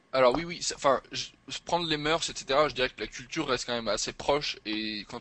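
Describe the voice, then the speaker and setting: With a strong French accent, a man speaks at a very fast pace. His pitch variation is ordinary. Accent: thick French accent in English. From France. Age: young. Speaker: tech entrepreneur. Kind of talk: interview. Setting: remote video link (duplex Paris–San Francisco). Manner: hesitant, many fillers and repetitions.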